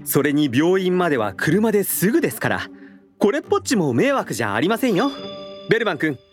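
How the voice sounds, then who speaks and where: A man plays a calm, sharp police inspector in a storybook drama. His voice is mid-pitched, with a swinging, expressive melody. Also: brisk, faint music behind. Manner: composed, lively intonation.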